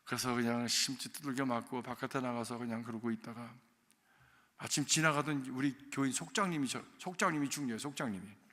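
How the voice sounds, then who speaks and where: A man preaching a storytelling sermon as senior pastor, talking conversationally and swinging between loud emphasis and soft, near-whispered asides. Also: mid-range voice, brisk. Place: church sanctuary. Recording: reverberant church sanctuary.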